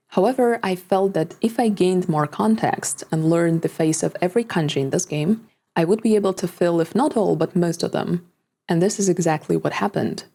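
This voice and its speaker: A young woman, not a native English speaker, reading her own scripted voice-over in a measured, reflective way. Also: low voice, vocal fry, dark tone. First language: neither English nor Japanese. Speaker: video essayist.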